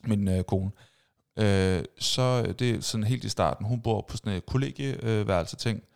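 A man's voice: fairly low pitch, creaky, a little mellow, smooth. A man hosting a podcast, telling personal stories in a casual chat and acting out screams and sound effects. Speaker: podcast host.

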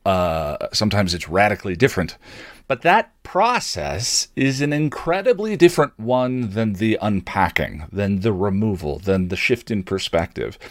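A man in his forties with a fairly low voice, recorded close and dry. He talks like a podcast host sharing a personal story in a reflective way, pausing to search for words and stretching some out for emphasis. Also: very animated, no echo.

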